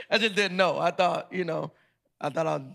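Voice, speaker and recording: A man's voice: high-pitched, gravelly, sharp tone. A middle-aged man, telling a playful, laughing story to a live audience as a guest author. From Georgia, USA.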